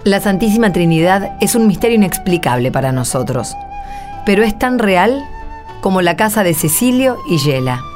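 An actress with an Argentine accent playing a playful, firm, kindly nun in a radio drama. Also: female voice, medium pitch, very animated, moderate pace, over music, close to an everyday voice. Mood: earnest. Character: playful, brisk religious sister, kindly and firm. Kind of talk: radio drama acting and narration.

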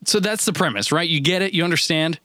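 A man's voice: fairly high pitch, fast, bright, forceful tone, no room sound. A man co-hosting a podcast in casual, joking chat, laughing often and wandering off on tangents. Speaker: podcast co-host. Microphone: desk microphone.

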